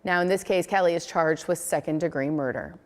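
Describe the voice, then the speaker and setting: A woman's voice: on the low side, fairly quick, long reverb tail. A woman with an American accent reading a scripted local television newscast as the anchor.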